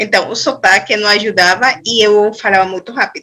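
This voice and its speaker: Noticeable background noise accompanies a voice with a Spanish accent. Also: woman. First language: Spanish (speaking Portuguese). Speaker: webinar participant. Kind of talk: casual discussion. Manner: slow.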